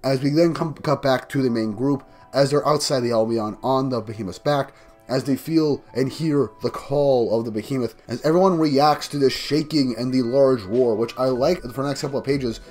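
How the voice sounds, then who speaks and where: A man's voice: mid-range voice, moderate pace, a little mellow, soft background music. Groggy man recapping a manga chapter. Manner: enthusiastic, rambling recap with restarts. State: groggy from a cold. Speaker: manga review YouTuber. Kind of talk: casual manga chapter review.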